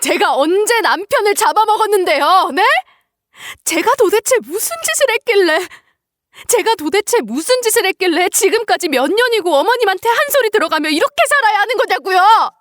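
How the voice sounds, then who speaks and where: A wounded young daughter-in-law pleads and finally talks back, voiced by a woman. Her high voice moves a lot in pitch. The sound is dry and close. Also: animated, brisk, no room sound, lightly acted. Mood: defiant. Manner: pleading, tearful defiance. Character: young widowed daughter-in-law, hurt but standing up. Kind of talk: dramatized story reading.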